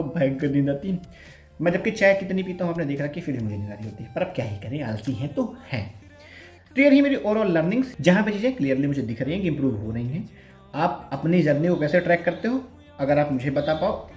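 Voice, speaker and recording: In a reverberant space, a young bank-exam aspirant chats informally with viewers, poking fun at himself while sharing study tips. His voice runs on the high side with a darkish tone.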